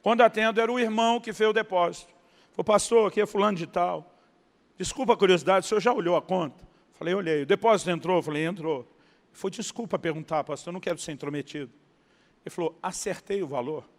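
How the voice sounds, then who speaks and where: A Brazilian male pastor preaching with a fairly high voice. He tells his story with animated, acted-out dialogue. The sound carries a long reverb, as in a large hall. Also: fast talker. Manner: animated storyteller, acting out dialogue, laughing at punchlines. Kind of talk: sermon storytelling.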